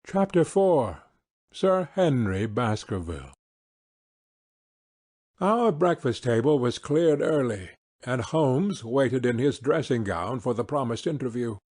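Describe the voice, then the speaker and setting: A man narrating a classic novel as an audiobook in a measured, formal reading style. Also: mid-range voice, a little mellow. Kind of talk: scripted literary narration.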